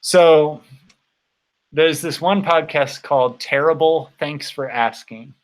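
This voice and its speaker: A man in his thirties chatting casually as host of a livestream, halting and rambling, his voice tired from long talking. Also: fairly high pitch. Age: 30s. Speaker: host of a bicycle touring channel.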